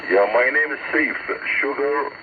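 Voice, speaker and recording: A man's voice: mid-range voice, unhurried. A man operating CB radio from a vehicle, giving callsigns and signal reports in clipped, repetitive radio procedure over a single-sideband transmission. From Qatar. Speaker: amateur CB radio operator in a mobile. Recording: noisy muffled CB radio reception.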